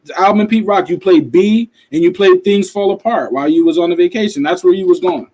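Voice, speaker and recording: A man co-hosting a hip hop talk show, chatting in an opinionated way with quick bursts of speech. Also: sits high. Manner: animated, opinionated, fast bursts. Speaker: podcast co-host. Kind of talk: casual chat.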